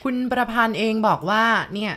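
A woman's voice: medium pitch, a little fast, a bit bright. A woman narrating listener-sent ghost stories, polite and talking straight to her audience. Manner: polite, addresses listeners directly.

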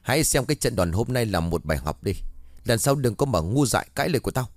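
A man voicing a cruel, hot-tempered middle-aged aunt who scolds in rapid, harsh bursts. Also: mid-range voice, big pitch swings, dry recording, studio quality. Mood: scornful.

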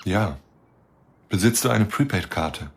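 An actor playing a lonely, lovestruck but mistrustful astronomer in a German radio drama, speaking earnestly in short plain sentences. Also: male voice, lowish voice, lively intonation, slow, vocal fry, slightly rough, heavily acted. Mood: insistent, mistrustful. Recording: music behind the voice.

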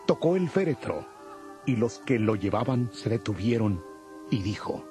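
A man with a husky voice giving solemn scripted narration for a dramatized audio Bible. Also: on the low side, big pitch swings, unhurried, music in the background. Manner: solemn storytelling.

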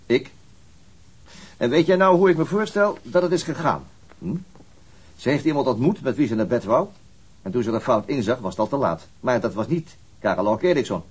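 An actor playing a weary, brusque and dogged police detective, talking conversationally in a radio crime drama. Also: male voice, medium pitch, animated, moderate pace, slightly rough. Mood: insistent. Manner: brusque, world-weary, argumentative.

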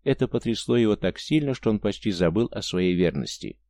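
A man narrating an audiobook in a calm, measured storytelling manner. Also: lowish voice, dry recording. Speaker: audiobook reader. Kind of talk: scripted narration.

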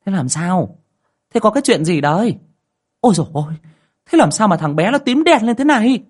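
A man's voice: high-pitched, big pitch swings, a little mellow, slightly rough, pitched above the performer's own voice, full character voice. A man voicing a flustered older village wife who frets and exclaims. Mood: fretful. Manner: fussing, rapid exclamations.

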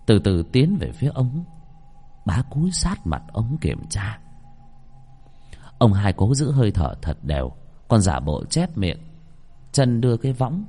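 Expressive Southern Vietnamese male storyteller. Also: fairly low pitch, husky. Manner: expressive, dramatic. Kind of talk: storytelling narration.

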